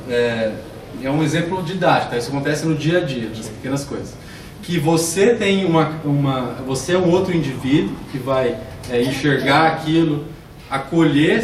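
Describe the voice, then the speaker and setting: A man's voice: a little high, recorded from a distance. A man teaching as a psychiatrist lecturer, explaining with acted-out everyday examples. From Brazil. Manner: explanatory, acts out quoted dialogue with examples. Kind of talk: classroom lecture. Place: lecture hall. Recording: echoey room, speaker away from mic, faint noise.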